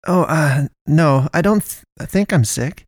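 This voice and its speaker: A weary young woman, played by a man, answering softly and with hesitation. Her voice sits somewhat above his own. The recording is dry and close. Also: a little high, a little slow, slightly rough, dry recording, pitched above the performer's own voice. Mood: hesitant. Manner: soft, hesitant replies.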